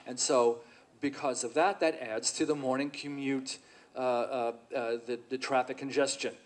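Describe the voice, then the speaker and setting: A man running for mayor who gives a deliberate, skeptical debate answer with hesitant restarts. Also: medium pitch, steady tone. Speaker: mayoral candidate.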